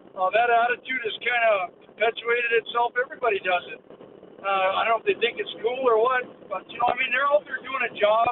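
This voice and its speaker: A man with an American accent, extremely high in pitch, with ordinary pitch variation and noticeable background noise. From northern Minnesota. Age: 60s. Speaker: caller. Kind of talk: casual chat. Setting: phone call.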